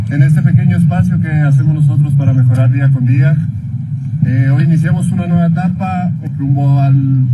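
Male coach, higher voice, earnest talk to fans, tinny far mic, heavy street noise. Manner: earnest, halting speech. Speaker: national team coach. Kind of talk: address to fans. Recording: phone-like audio recorded outdoors.

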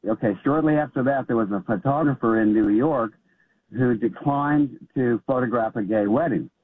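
A man from California calling in to a talk radio show, explaining his point haltingly with many restarts. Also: medium pitch, no room sound. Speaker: caller. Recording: phone line.

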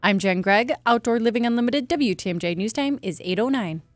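A woman reading a scripted radio weather forecast with a brisk, crisp delivery. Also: on the high side, background noise. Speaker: weather and news reader.

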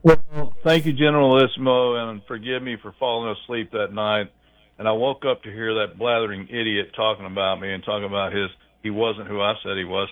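A man's voice: on the low side, fairly even intonation, fairly quick. A man calling in to a radio show, rambling in a folksy way and calling the host "brother" and "my friend". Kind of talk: rambling phone call. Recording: tinny phone line.

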